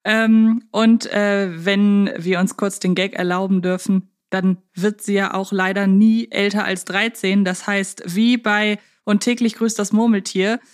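Female podcast host, mid-pitched voice, relaxed conversational delivery with a humorous touch. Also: measured pace, hardly any pauses, clear, resonant tone. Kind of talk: casual humorous podcast chat.

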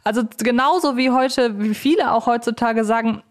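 Chatty woman hosting a casual podcast, voice a bit on the high side. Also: normal speed. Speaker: podcast host.

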